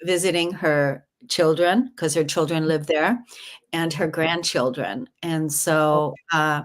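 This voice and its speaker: A woman's voice: low voice, fairly even intonation, slow pace. A woman hosting a podcast interview, talking in an earnest, meandering way with many fillers. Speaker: podcast host.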